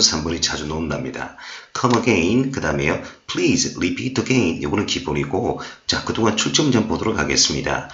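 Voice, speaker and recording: A male English instructor giving a recorded online lecture, explaining words one by one and reading English examples slowly. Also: low voice, bright, forceful tone, slight background noise. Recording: roomy, dull lo-fi recording.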